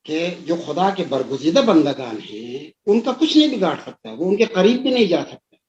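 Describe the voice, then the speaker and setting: A man's voice: on the high side, big pitch swings, a little hiss or hum. A middle-aged male religious scholar speaks as a guest on a talk show. He begins with Arabic invocations, then explains emphatically and stresses each key point. His voice sounds roomy and somewhat dull.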